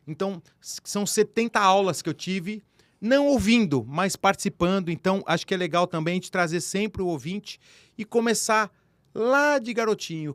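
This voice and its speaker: A man's voice: fairly high pitch, dry recording. A man hosting a podcast interview, effusive and welcoming toward his guest. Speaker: radio and podcast host.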